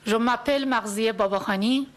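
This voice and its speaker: A woman in her forties from Iran, speaking, giving a prepared first-person testimony in a measured, solemn way. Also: a little high. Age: 40s. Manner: measured, solemn, deliberate phrasing.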